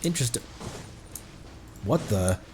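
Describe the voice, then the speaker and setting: A game streamer thinking out loud casually while playing, in a live commentary style. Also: medium pitch, expressive, measured pace, slight background noise.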